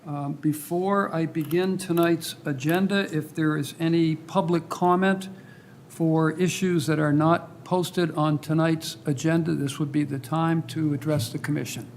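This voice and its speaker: A man's voice: on the high side, steady tone, a little slow. A man chairing a public meeting in a semi-formal way, in a town hall meeting room. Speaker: commission chair. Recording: meeting room with faint noise.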